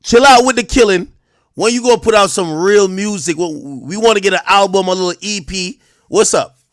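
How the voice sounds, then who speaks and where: Stream host, playful heckler, high voice. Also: male voice, brisk, no room sound, studio quality. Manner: playful, teasing, repeats yo. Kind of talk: live stream banter.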